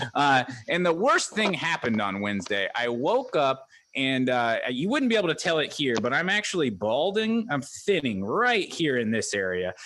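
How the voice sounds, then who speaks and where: With an American accent, a man talks at a moderate pace in a fairly high pitch, his bright, sharp tone moving through very wide pitch swings. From Kansas. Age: 30s. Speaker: comedian. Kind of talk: stand-up.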